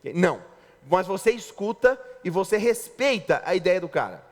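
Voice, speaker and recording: Lively joking Brazilian pastor in a hall. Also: male voice, sits high, normal speed. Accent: Brazilian Portuguese. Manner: lively, joking preacher acting out spouses' lines. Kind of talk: sermon. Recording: reverberant hall.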